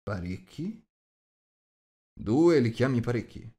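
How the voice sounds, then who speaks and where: A man voicing a gruff, rude, huge shape-changer who growls and talks bluntly. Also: medium pitch, very animated, slow, dark tone.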